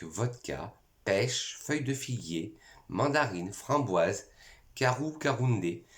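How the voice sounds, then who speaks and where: A French man presenting perfume bottles in a casual vlog, a little hoarse from a cold, eagerly listing scent notes one by one. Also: fairly low pitch. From France. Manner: enthusiastic, lists notes one by one. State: has a cold, voice cracking. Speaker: perfume YouTuber.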